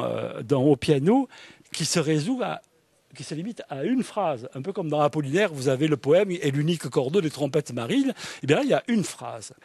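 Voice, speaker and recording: A man gives an academic lecture on literature, with a slightly high voice and an eager, marvelling delivery. He reads short passages aloud, filling his talk with "alors" and "hein". The recording is dry, with little room sound. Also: husky, no echo. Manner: enthusiastic, fond of "alors" and "hein". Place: public library event.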